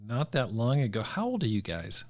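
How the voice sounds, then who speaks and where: Male host, mid-pitched voice, affirming, asks short direct questions. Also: wildly swooping pitch, normal speed. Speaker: podcast host. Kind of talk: interview.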